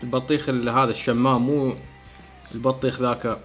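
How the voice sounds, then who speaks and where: Iraqi guy in his 30s chatting quick while he eats, soft music behind. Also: medium pitch, flat delivery. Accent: Iraqi Arabic. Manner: chatty, talks between mouthfuls. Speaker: food challenge host. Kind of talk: casual eating vlog. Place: small indoor home studio.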